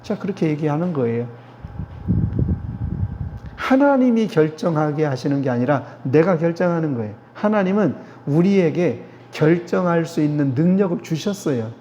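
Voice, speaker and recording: A middle-aged man, a theology professor, giving a slow, emphatic lecture-sermon at a church gathering and putting questions to his listeners. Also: a little high, expressive, warm tone, slight background noise. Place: church hall. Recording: dull lo-fi sound with long hall reverb.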